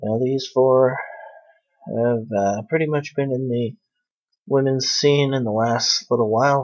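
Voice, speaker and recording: A man speaks at a medium pitch with fairly even intonation. Long pauses come often. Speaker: wrestling video game commentator. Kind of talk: live play-by-play commentary over a wrestling video game, with a YouTube sign-off. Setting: solo recording, no audience. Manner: stumbles and corrects himself, apologizing for slips.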